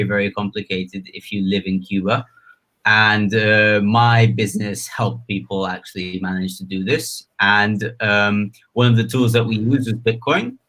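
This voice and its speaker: A man speaking as a panelist in a measured, explanatory way, pausing hesitantly between phrases. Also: fairly low pitch, a bit bright, low-quality recording. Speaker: panelist, online business founder. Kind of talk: measured self-introduction on a panel.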